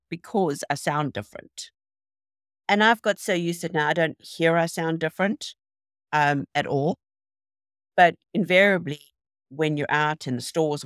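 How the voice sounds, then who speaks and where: Woman, South African accent, low register, reflective conversational interviewee, dry recording. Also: dry recording. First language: Afrikaans. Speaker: interview guest, nurse.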